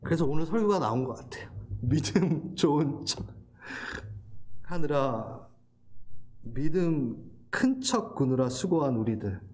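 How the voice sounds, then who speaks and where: A man's voice: on the high side, lively intonation, a little slow, a little mellow. A middle-aged male pastor giving a sermon, laughing and emotional while telling a personal story, then preaching earnestly.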